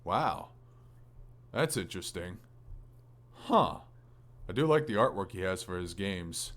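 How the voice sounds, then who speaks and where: A man with a fairly low voice talks casually as a podcast host. His delivery is informal and rambling, with loose, sweary phrasing, like chatting with a friend about games. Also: animated, measured pace, a bit bright. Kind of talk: casual gaming podcast chat.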